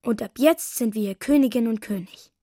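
A woman's voice: on the high side, normal speed, dark tone, no room sound, clean studio sound, lightly acted. A woman voicing a six-year-old girl. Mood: delighted. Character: little girl Lenka, six, cheerful.

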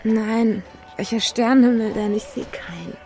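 A woman playing a pensive, uneasy babysitter who talks and narrates in a low-key, hesitant, natural way in a radio drama. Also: normal speed, mellow, close to an everyday voice. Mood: musing, doubtful. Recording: music under the voice. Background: music.

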